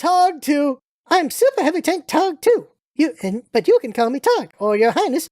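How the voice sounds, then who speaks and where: Woman putting on a haughty posh young lady, high-pitched. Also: big pitch swings, moderate pace, a little mellow, no room sound, clean studio sound. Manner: prim, imperious, old-fashioned genteel phrasing. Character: haughty young lady super heavy tank, posh and indignant.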